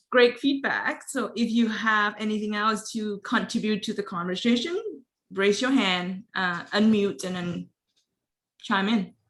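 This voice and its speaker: The pace is fairly slow, with ordinary pitch variation. The speaker has a Vietnamese accent. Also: woman, fairly high pitch for a woman. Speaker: speaking club organizer. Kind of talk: casual group video chat.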